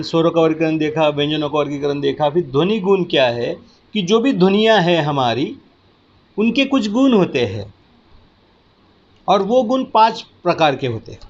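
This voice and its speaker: A man teaching a recorded lesson, explaining slowly and patiently and often checking that students have understood. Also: on the high side, a little mellow, dull audio. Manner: slow, patient explaining with repeated check-ins. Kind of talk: recorded lecture.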